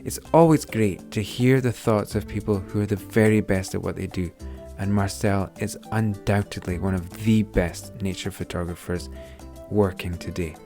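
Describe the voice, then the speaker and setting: A man's voice: lowish voice, fairly even intonation, moderate pace, hardly any pauses, warm tone, soft background music. A man hosting a podcast, enthusiastic, with fillers and some hesitation. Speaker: podcast host. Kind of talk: podcast intro and interviewing.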